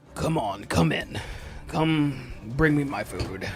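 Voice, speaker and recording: Putting on a character voice at medium pitch, a man speaks at a fairly slow pace over clear background noise. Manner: demanding, bossy.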